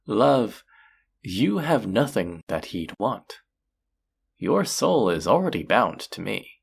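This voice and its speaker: A voice actor playing a flirty, possessive demon casino dealer in an intimate audio roleplay, teasing and taunting in a low, husky, breathy voice. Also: exaggerated voice. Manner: teasing, taunting, slow and drawn-out.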